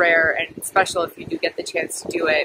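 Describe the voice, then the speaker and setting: A woman's voice comes through with a dry sound and no echo. Noticeable background noise sits behind her. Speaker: vlogger. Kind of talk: casual vlog chat. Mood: relaxed, reflective. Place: beach. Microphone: earbuds.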